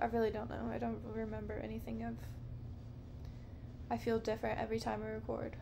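A woman in her thirties hosting a podcast alone, rambling slowly and softly in a dim living room at night, with many fillers. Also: on the high side, vocal fry, noisy background. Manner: slow, meandering, soft-spoken with many fillers. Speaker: podcast host. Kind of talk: rambling casual monologue. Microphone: camera close up, handheld or on a low stand.

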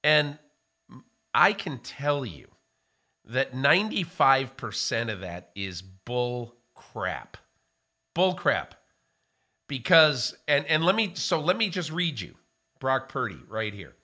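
Older man, football analyst, bright voice, animated talk, studio mic, small studio. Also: medium pitch, slow. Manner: animated, gestures with hands while talking. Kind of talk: casual studio discussion. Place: small studio with framed pictures. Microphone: studio mic on boom arm.

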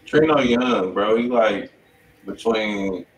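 Echoey distant mic, American man, low voice, slangy casual banter, livestream co-host. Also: slow pace. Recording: roomy, distant mic, faint noise.

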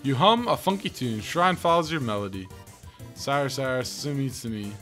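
A man records casual commentary as he plays a video game. His voice is bright and swings widely in pitch as he reads on-screen text and talks to himself in exasperated asides. Game music plays underneath. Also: lively intonation, moderate pace. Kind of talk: casual let's-play commentary, reading game text aloud.

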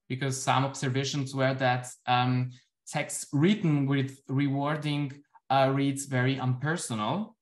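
Young man, academic presenter, lots of ums, laptop webcam call. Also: mid-range voice. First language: Italian. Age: young adult. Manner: frequent ums, measured explaining. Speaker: conference presenter. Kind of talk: academic talk and Q&A answer. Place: indoor room at home. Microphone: laptop webcam on a video call.

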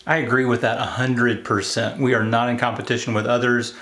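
A man in his forties delivers a sermon-like exhortation in a medium-pitched voice. He is earnest and emphatic, often restating a phrase to press it home. He speaks directly to the camera from a study. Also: flat delivery, a little fast, fairly bright tone. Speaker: preacher, video host. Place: home study with bookshelves, indoors.

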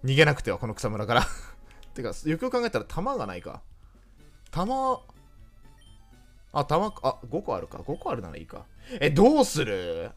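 A man's voice: mid-range voice, huge pitch swings, moderate pace, long pauses, fairly bright tone, soft background music. A man giving casual, joking commentary while playing a video game, teasing and talking to himself and his viewers. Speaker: game streamer. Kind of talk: joking let's-play commentary.

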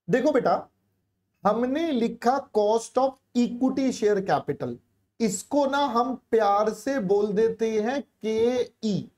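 A male teacher leads a live online class in a coaxing, repetitive way. He checks in often and slips English phrases into his explanations. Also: high-pitched. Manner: coaxing, repeats phrases, calls students "beta".

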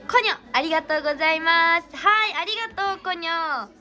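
Bright high-voiced young woman. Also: a little fast. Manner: chatty, thanks fans by name. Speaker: idol reading fan names. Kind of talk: casual livestream chat.

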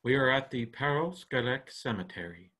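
Casting: male narrator for play stage directions, medium pitch, crisp forward brightness. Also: animated, moderate pace. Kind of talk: scripted narration.

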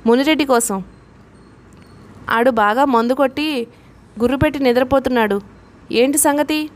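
A woman's voice: sits high, normal speed, close to an everyday voice. A woman voicing a sleepy, earthy village wife while reading a novel aloud, in colloquial, drowsy speech.

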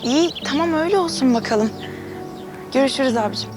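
An actress playing an earnest, excitable young woman, a little sister who loves to draw. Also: high voice, fast. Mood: worried. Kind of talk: TV drama acting. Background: music.

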